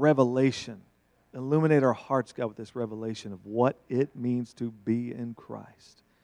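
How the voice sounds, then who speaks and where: A man with an American accent talks at a fairly slow pace and medium pitch. His tone is dark and mellow, his intonation fairly even. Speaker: pastor. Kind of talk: sermon introduction and prayer. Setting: church.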